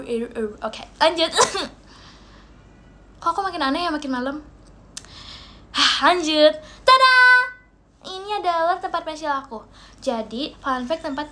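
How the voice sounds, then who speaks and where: A woman's voice: sits high, sharp tone. A young woman from Indonesia hosting a casual livestream, chatty and playful, mixing in English phrases and thanking viewers for gifts. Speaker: idol livestream host.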